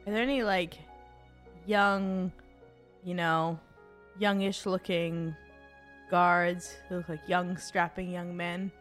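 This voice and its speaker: A woman's voice: on the low side, flat delivery, takes it slowly, long pauses, a bit bright, soft background music. A woman playing a tabletop game, playful and giggly as she asks questions. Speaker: player.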